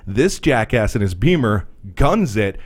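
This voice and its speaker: A man telling a profane, animated story in casual podcast chat. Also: fairly low pitch, measured pace. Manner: animated, profane, laughs a lot. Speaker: podcast host.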